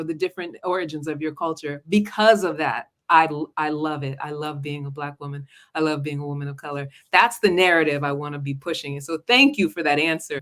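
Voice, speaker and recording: A woman's voice: low voice, a bit bright. An American woman hosting an interview podcast, affirming her guest and chatting with enthusiasm. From United States. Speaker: podcast host and relationship coach.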